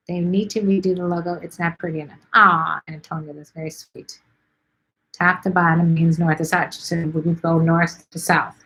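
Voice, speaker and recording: A woman's voice: lowish voice, fairly bright tone, low-quality recording. A middle-aged woman from Chicago hosts a live stream, chatting casually and rambling with lots of ums as she reads viewer comments. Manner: chatty, rambling, many ums and let's sees.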